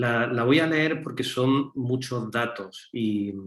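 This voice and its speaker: In a Madrid accent, a man speaks at a very slow pace. His pitch is medium, and there's audible room echo. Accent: Castilian Spanish (Madrid). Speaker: writer giving a conference talk. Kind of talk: lecture read from a script; lecture introduction, spontaneous. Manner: hesitant, repeating words.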